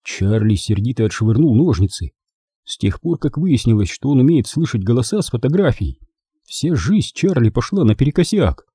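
A man narrating an audiobook in an expressive storytelling manner, close to the mic. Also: medium pitch, moderate pace, husky, dry recording. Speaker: audiobook reader. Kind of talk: scripted narration.

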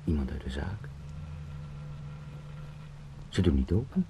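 A young salesman turned insect, full of dread and resentment. The very low voice mutters a bitter monologue in a radio play, with clear noise behind it. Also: big pitch swings, slow pace, full character voice. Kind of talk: radio drama acting.

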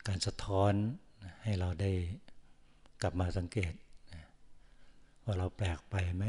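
Male monk, sermon, low voice, monotone, slow with pauses. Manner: slow, measured speech with many pauses and the particle "na". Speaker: Buddhist monk giving a dharma talk. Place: forest monastery.

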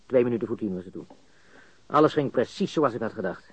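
An actor playing a baffled, cocky and coarse murder suspect in a radio crime drama, stammering and repeating words. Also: male voice, medium pitch, expressive, quick pace, a little mellow, breathy edge, no room sound. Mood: tense, brooding. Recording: dull, lo-fi radio recording.

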